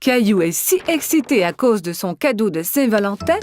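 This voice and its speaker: A woman's voice: mid-range voice, sing-song, moderate pace, darkish tone, soft background music. A woman reading scripted narration for a children's cartoon story.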